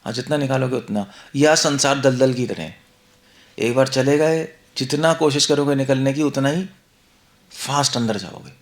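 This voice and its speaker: A man's voice: mid-range voice, moderate pace. A male monk giving a conversational scripture class, mixing Hindi and English, asking the listeners rhetorical questions. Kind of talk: Hindi-English devotional lecture.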